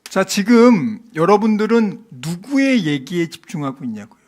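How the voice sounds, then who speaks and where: A middle-aged male pastor preaching an early-morning sermon, animated and acting out quoted voices with loud outbursts. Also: sits high, normal speed.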